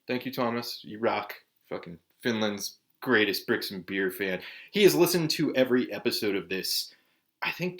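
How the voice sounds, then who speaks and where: Sharp in tone and fairly low in pitch, this vlog host is a man in his forties from Southern California. Talking to camera in a relaxed way, he curses frequently and leans heavily on "like" and "dude."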